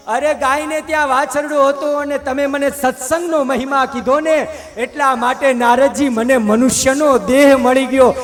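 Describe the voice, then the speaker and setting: A man's voice: extremely high pitch, pitched above the performer's own voice. A man voicing a joyful newborn boy who is a reborn soul, exclaiming. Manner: exclaiming, raised and ringing. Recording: long hall echo with music.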